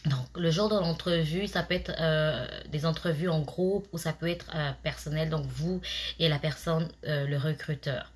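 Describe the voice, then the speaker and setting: Woman in her thirties, low-pitched voice, husky tone, chatty vlog advice, lots of hesitations. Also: moderate pace. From immigrant to Canada. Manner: chatty, many fillers and restarts. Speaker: vlogger giving job interview tips. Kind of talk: casual advice talk to camera.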